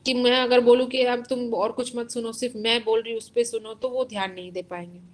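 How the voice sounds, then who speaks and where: A woman's voice: a little high, fairly even intonation, brisk, low-quality recording. A woman with an Indian accent giving a lecture, explaining step by step and switching between Hindi and English. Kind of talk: online lecture.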